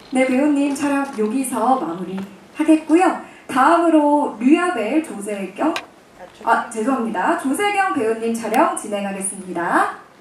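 With audible room echo and light background noise, a woman speaks at a fairly slow pace in a high pitch with very wide pitch swings. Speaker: press event moderator. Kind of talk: formal press conference moderating. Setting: film press screening Q&A event. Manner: formal, polite. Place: hall.

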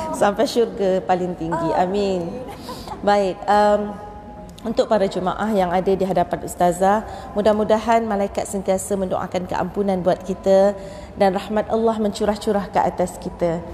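A woman talks at a medium pitch in a monotone, flat intonation. Light background noise sits under her voice. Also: moderate pace. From Malaysia. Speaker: religious speaker and motivator; speaker. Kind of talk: religious forum talk. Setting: mosque with audience. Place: church. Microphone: handheld.

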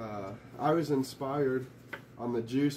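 Over light background noise, a man talks at a very slow pace with fairly even intonation. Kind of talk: casual vlog chat. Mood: relaxed, joking. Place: kitchen. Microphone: phone near.

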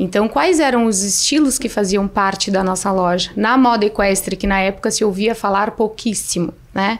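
This woman's voice has a fairly high pitch. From Rio Grande do Sul, Brazil (Bagé); Rio Grande do Sul, Brazil. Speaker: fashion business owner; podcast guest. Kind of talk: interview; interview answer. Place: studio. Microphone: studio mic.

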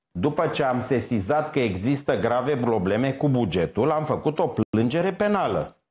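Over a quiet background with audible room echo, a man with vocal fry speaks at a moderate pace. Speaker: local councillor. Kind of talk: political talk show debate. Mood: critical, argumentative. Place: studio. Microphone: lapel.

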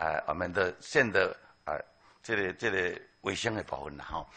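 The speaker is a man. His voice carries a bright, sharp tone. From Taiwan. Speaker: county councilor. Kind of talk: council questioning. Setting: council chamber. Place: hall. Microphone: podium.

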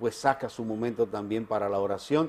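There is light background noise as a man talks in a dark, mellow tone with ordinary pitch variation. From Dominican Republic. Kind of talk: interview on TV news coverage. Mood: calm, earnest. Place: studio. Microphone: lapel.

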